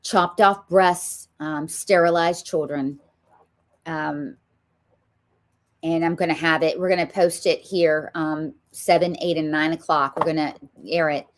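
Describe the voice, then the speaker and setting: A woman's voice: low-pitched, fairly even intonation, a little slow, a little hiss or hum. Emphatic Southern woman hosting a talk show. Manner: emphatic, opinionated, with frequent ums. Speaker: show host. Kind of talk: political talk show chat.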